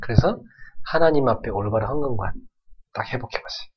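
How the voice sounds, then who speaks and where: A man's voice: medium pitch, lively intonation, a little fast, breathy edge, muffled recording. A man preaching a sermon as pastor, earnest, acting out prayers and building to fervent exhortation. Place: church sanctuary.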